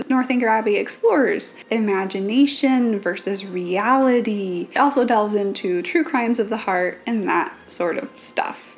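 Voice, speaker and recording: A woman in her thirties talks casually and emphatically to camera, explaining things in a chatty, animated manner. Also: medium pitch. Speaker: book vlogger. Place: living room, indoors.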